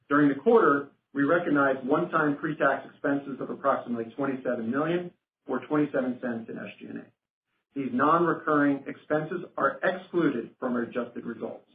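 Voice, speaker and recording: A man speaking formally as a finance executive presenting on a company earnings call. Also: mid-range voice. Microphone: conference phone call. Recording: roomy phone line with noticeable hiss.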